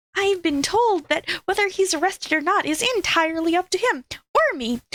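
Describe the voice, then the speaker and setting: A woman in a put-on character voice, pitched extremely high, at a moderate pace. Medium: read story. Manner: smug, teasing.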